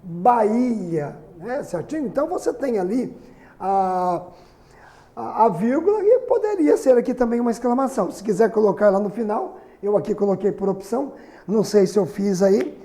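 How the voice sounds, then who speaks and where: A man's voice: high-pitched, animated, moderate pace, mellow. A Brazilian man teaching a recorded grammar lesson, chatty, with frequent tag questions and fillers. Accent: Brazilian Portuguese.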